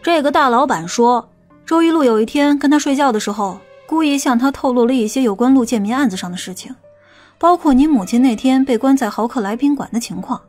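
Woman doing a stern knowing lady cop in an audiobook, high voice, brisk and assertive, faint music. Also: a little mellow. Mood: explaining. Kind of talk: audiobook character dialogue.

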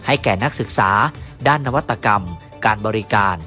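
A man reading a scripted news voice-over in a smooth, even manner. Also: medium pitch, normal speed, faint music behind. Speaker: news narrator.

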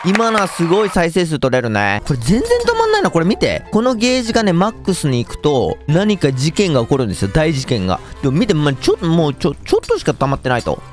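A young man with a lilt, commentating a game in an excitable, joking way. His pitch jumps around a lot and sits a little high. Faint music plays behind him. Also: fast, few pauses. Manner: excitable, jokey, talks to viewers. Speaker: gaming YouTuber.

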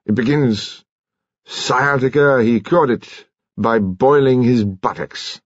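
A man voicing an embarrassed, gruff naval commander in a story, halting and groaning as he speaks. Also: medium pitch, no room sound, highs cut off, pitched above the performer's own voice. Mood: nervous, awkward. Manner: groaning, halting, nervous gabble.

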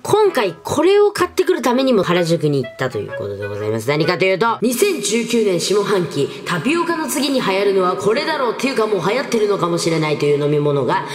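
Chatting informally to the camera in a small furnished room, a young adult woman gives a casual product review vlog. She speaks fast with few pauses, her medium-pitched voice swooping wildly. Music plays in the background.

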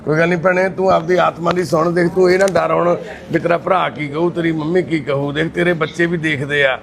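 A man's voice: fairly high pitch, fairly even intonation, fairly quick, vocal fry, crowd noise. A man, a charity volunteer, soothing and reassuring a crying woman. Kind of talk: consoling conversation.

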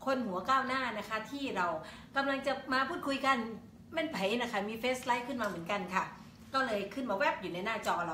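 A woman's voice: fairly high pitch, fairly bright tone. An older woman hosting a casual political live stream, chatty and laughing, reading viewers' names aloud. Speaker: political livestream host. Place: indoors at home. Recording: echoey room, faint noise.

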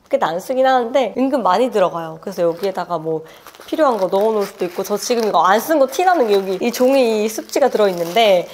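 A woman's voice: medium pitch, a little hiss or hum. A woman, chatting casually and expressively to camera as a beauty and fashion vlogger. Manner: chatty, expressive, uses cute sound words. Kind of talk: casual chat to camera, showing bag contents. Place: indoors, living room at home.

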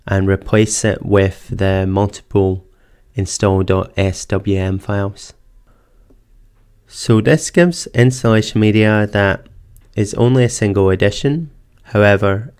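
A man narrating a screen-recorded computer tutorial, calmly explaining each step in order. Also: fairly low pitch, clear, resonant tone. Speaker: tech tutorial presenter. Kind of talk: screen-recorded software walkthrough. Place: voice-over for screen capture.

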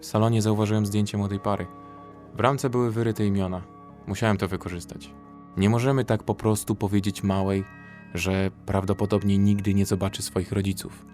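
A man's voice: on the low side, level tone, a little fast, darkish tone, faint music behind, natural voice. An actor playing a practical, protective young male survivor in an audio drama, speaking in a serious, composed manner.

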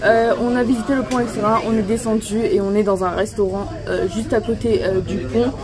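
A woman's voice: mid-range voice, fairly even intonation, fairly quick, music in the background. A young woman chatting casually through a travel vlog, with lots of fillers, filmed on a handheld camera. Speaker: vlogger. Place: outdoors and at restaurant terraces.

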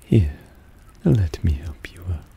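A man playing a suave, possessive vampire in intimate ASMR roleplay, soft, teasing and soothing, often dropping into a whisper. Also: low voice, animated, slow pace, gravelly, husky, highs cut off, heavily acted. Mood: tender, attentive.

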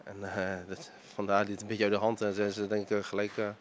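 Talking fast with a lowish voice and completely flat delivery, this man in his thirties, who owns a restaurant, hesitates through a news interview with plenty of fillers. He speaks into a reporter's handheld mic in his dining room, with slight background noise.

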